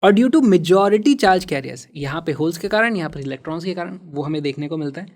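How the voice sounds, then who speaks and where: A man explains physics problems step by step. He talks in a lively way and leans hard on key words. He drops English terms in as he goes. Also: on the high side, a little fast. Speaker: physics teacher.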